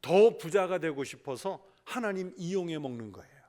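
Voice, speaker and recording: A male pastor preaching a sermon, putting rhetorical questions to the congregation and dropping to a hush for emphasis. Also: fairly high pitch, lively intonation, normal speed.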